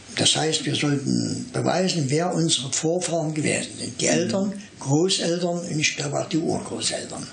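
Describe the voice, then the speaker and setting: At a moderate pace and with ordinary pitch variation, the speaker talks over noticeable background noise. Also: man, fairly high pitch for a man. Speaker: contemporary witness of Nazi era. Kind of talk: interview answer.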